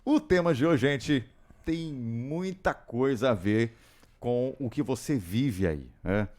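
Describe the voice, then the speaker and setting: A man's voice: medium pitch, lively intonation, takes it slowly, a little mellow. A man hosting a radio program in a studio, chatty and laughing often. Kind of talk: casual radio studio chat.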